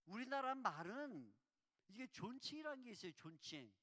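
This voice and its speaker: A man pastor preaching a revival sermon in a church sanctuary, playful and lively, repeating key words and acting out dialogue for humor. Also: extremely high pitch, normal speed, big-room sound.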